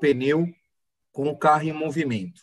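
Fairly slow speech from a man, pitched fairly high, with ordinary pitch variation. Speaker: shopping center security manager. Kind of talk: live video panel discussion. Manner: halting, frequent repetitions.

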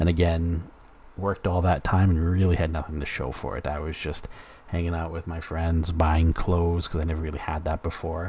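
With a Canadian accent, a man talks at a fairly quick pace in a very deep, low voice, his intonation monotone and flat. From Alberta, Canada. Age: 30s. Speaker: podcast host. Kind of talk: personal monologue. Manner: casual, conversational with fillers.

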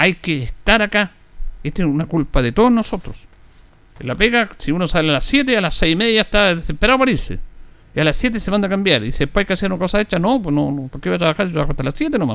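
Speaking very fast, a man keeps his pitch high. His pitch swings very widely. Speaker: local radio host. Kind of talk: radio talk show. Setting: radio studio.

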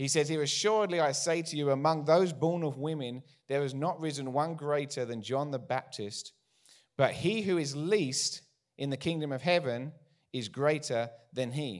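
With an English accent, a man speaks at a moderate pace in a fairly high pitch, his pitch varying in an ordinary way. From England. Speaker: pastor. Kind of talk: sermon. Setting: church. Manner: animated.

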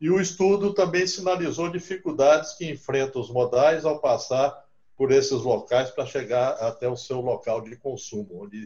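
A man's somewhat breathy voice shows big swings in loudness and very wide pitch swings. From Porto Alegre, southern Brazil. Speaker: logistics engineer and lecturer. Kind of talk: casual interview.

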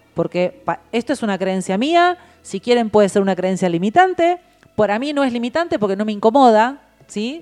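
A woman speaks at a medium pitch and a fairly quick pace, her pitch swinging very widely, in a dry, close recording with no echo. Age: 50s. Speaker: radio host. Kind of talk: radio talk show. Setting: radio studio.

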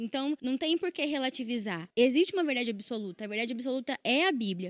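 At a moderate pace, the lively, up-and-down speech is recorded dry and close with no echo. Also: woman. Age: 20s. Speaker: nursing student and church youth member. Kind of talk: casual religious chat.

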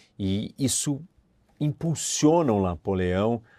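Recorded very cleanly with a silent background, a man with a Brazilian accent speaks in a fairly low pitch with lively intonation. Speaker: history YouTuber and teacher. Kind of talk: history lecture.

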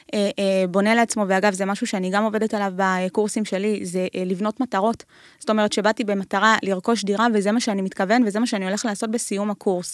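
In a very clean recording with a silent background and a dry, close sound with no echo, a woman speaks very fast at a medium pitch in a monotone, flat delivery with hardly any pauses. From Israel, Yavne. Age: 30s. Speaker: real estate investor and lecturer. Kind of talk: interview.

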